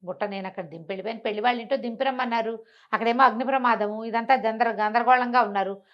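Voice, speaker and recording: Lady doing a worried servant girl in a folktale, highish voice, hurried excuses. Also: fairly even intonation, dull audio, lightly acted. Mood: flustered, defensive. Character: flustered palace maidservant making excuses.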